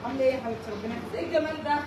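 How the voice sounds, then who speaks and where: A woman's voice: high-pitched, rapid-fire, roomy sound, recorded from a distance, noisy background. An Egyptian woman vlogging casually, chatting playfully and cooing greetings to her animals outdoors. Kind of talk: casual vlog chat.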